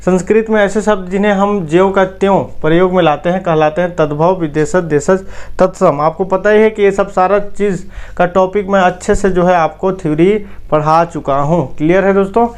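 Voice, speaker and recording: High clear-voiced male Hindi quiz teacher. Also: fairly even intonation, normal speed. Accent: Indian Hindi. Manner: repeatedly asks the audience, then gives the answer. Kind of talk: exam quiz lesson.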